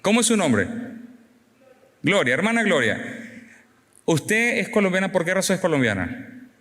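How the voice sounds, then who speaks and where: A man preaching a sermon, questioning and teasing the congregation in an animated, conversational way. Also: high voice, moderate pace. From Venezuela. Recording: long reverb in a hall.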